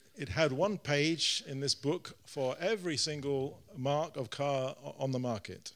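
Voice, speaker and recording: Speaking very slowly, a man talks. He has an English accent. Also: ordinary pitch variation. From London, England. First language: English (speaking German). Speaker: Baptist pastor, guest preacher. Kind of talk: prayer; sermon delivered through an interpreter.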